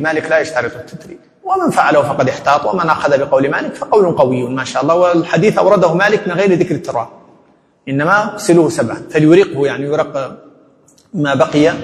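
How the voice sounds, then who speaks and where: Guy teaching islamic law, talks fast, slightly high voice, big hall echo. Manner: quick, explanatory, often quoting scholars. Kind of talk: explaining a text in a lesson.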